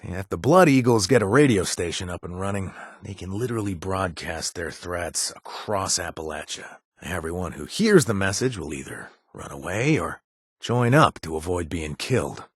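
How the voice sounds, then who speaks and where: Haunted ex-raider game companion: very deep, rough-edged voice, earnest, conversational delivery. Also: male voice, expressive, no room sound, clean studio sound. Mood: urgent, bitter. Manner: halting, confiding, casual speech. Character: earnest, haunted reformed male raider in a post-apocalyptic wasteland. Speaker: companion character in a video game. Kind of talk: conversational video game acting.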